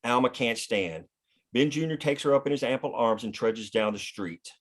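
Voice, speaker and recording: A man's voice: mid-range voice, moderate pace. A man reading stage directions as the narrator of a screenplay, in scripted narration.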